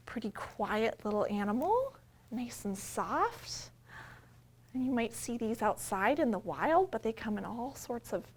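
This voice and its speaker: A woman with an American accent and a notably high voice speaks to young children as a story-time host. She uses simple, explanatory phrasing suited to little listeners, in the style of a librarian's read-aloud.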